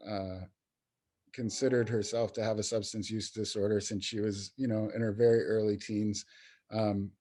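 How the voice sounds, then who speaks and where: Here the podcast guest, a man from New York State who coordinates a youth recovery program, has a dark, low-leaning voice. An adult in recovery and peer professional, he chats casually but hesitantly, repeatedly restarting and leaning on fillers.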